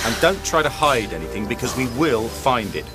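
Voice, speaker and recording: An actor playing a curt, threatening highway robber in an audio drama. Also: male voice, sing-song, a little fast, music in the background, natural voice. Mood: menacing. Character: menacing male highway robber, curt and commanding.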